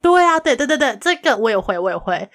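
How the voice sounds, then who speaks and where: A woman's voice: fairly high pitch, big pitch swings, fast, a bit bright. A woman co-hosting a casual chat podcast, telling stories and acting out quoted lines with frequent laughs. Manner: chatty storyteller, acts out quoted lines, laughs often. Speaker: podcast co-host.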